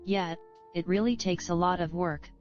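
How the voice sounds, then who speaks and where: A woman, a fellow indie developer, chatting casually and softly. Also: fairly low pitch, fairly even intonation, normal speed, muffled recording, faint music behind. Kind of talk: casual chat.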